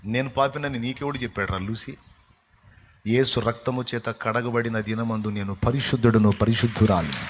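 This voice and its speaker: A man preaching a sermon emphatically, swinging between loud cries and hushed intensity. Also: mid-range voice, normal speed.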